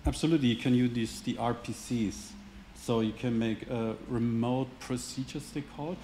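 A man's voice: mid-range voice, steady tone, moderate pace, dark tone, a little hiss or hum. A man answering audience questions at a tech meetup, hesitant, with many restarts and hedges. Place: meetup venue, indoors, standing at a lectern.

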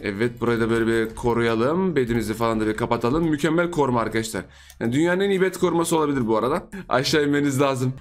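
A young man giving excitable, teasing gameplay commentary as a gaming YouTuber, laughing often. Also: medium pitch, racing.

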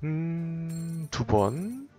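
A man giving excited, running commentary while playing a tower defense game, often laughing and reacting out loud. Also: a little high, extremely slow, over music. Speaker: game streamer. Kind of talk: live gameplay commentary.

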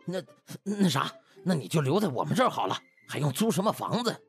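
A man's voice: a little high, big pitch swings, a little fast, gravelly, breathy edge, faint music behind, pitched above the performer's own voice, full character voice. A man voicing a desperate, pushy butler in an audiobook, stammering and pleading in colloquial speech. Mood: excited, urging. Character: anxious, desperate, pushy male household butler.

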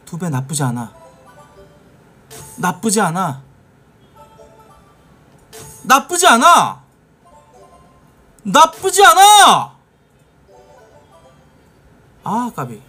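A man in his thirties streams a game from a small room at his desk mic. He talks casually and curses a lot, and his voice leaps up and down as he yells at every spin. Faint game music runs underneath. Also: sits high, drawn-out words, pauses often. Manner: swearing, excitable, shouts at wins. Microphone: desk mic in gaming chair, webcam framing.

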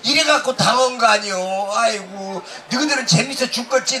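A man doing loud, brash stage comedy outdoors, heckling the crowd through a handheld mic. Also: very high voice. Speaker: pumba street performer. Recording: distant outdoor PA with noise.

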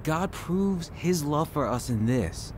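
An actor playing a compassionate, patient Christian friend, exhorting earnestly in a radio drama. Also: male voice, on the high side, lively intonation, slow, slight background noise. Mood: earnest, consoling. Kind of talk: radio drama acting, reciting scripture.

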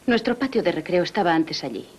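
A woman's voice: lowish voice, animated, fast talker, darkish tone, a little hiss or hum, lightly acted. A woman dubbing a composed, firm young nun who runs a parish school in an old film. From Sweden. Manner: proper, composed, mildly reproving. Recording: muffled old film soundtrack.

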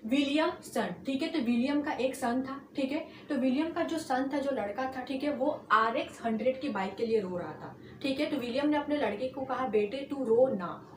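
A woman's voice: high-pitched, a little hiss or hum. A woman teaching a chemistry lesson at a board, mixing English and Hindi, checking in with "okay" after each step, drawing out key terms and hurrying the rest. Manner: mixes English and Hindi, repeats "ठीक है" and "alright" as check-ins; stretches key terms slowly, rushes the linking phrases. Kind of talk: whiteboard lesson. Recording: echoey room, far from mic.

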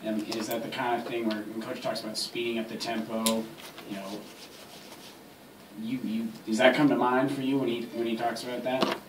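A male reporter asking a halting, stumbling question at a press conference. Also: medium pitch, level tone. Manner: halting, repeats words. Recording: echoey room, distant mic, noise.

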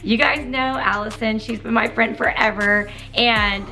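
A woman's voice: fairly high pitch, fairly even intonation, normal speed, bright, forceful tone, soft background music, rough recording. Bubbly middle-aged woman vlogger. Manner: bubbly, upbeat, laughs often. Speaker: co-host. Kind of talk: casual chat to camera. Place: indoor home studio set.

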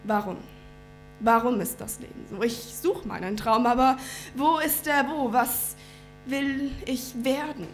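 A woman's voice: high-pitched, measured pace, soft background music. Young woman performing rhymed slam poetry. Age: young adult. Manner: earnest, rhythmic, dropping to near-whisper at lines' ends. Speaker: slam poet. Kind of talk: rhymed spoken-word performance. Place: small stage before an audience, indoors. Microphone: stand mic.

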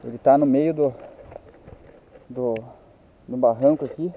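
A young man with a Brazilian Portuguese accent, out of breath, talking excitedly to viewers as he lands a fish on a riverbank. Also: medium pitch, unhurried, narrow, tinny audio, slight background noise. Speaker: fishing vlogger. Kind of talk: excited outdoor fishing commentary. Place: outdoors on a riverbank. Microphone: handheld camera mic.

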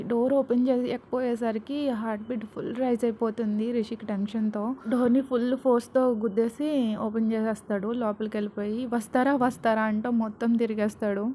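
Woman chattily reading out a serial love story, kinda high but mellow. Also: a little hiss or hum. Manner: chatty, conversational. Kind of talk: casual storybook narration.

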